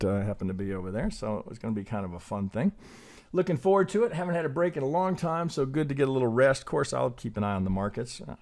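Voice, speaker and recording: Chart analysis comes loose and rambling from this middle-aged trading-channel host, who swears and keeps tacking on "right?" His voice is lowish and a little mellow.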